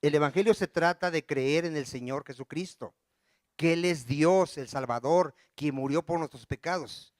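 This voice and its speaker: A male pastor with a high voice preaches a sermon, recorded dry and close. He reads scripture aloud, breaks off mid-verse and keeps firing questions at the congregation so they fill in the words. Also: a little mellow, dry recording. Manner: quizzes the congregation with rapid questions.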